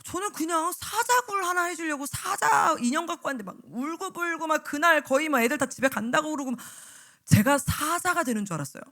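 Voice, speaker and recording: Animated, bright-voiced woman preacher. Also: high voice, fairly quick. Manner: animated, acts out voices of teachers and children. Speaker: evangelist preacher. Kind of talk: lively sermon to church teachers. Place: church sanctuary.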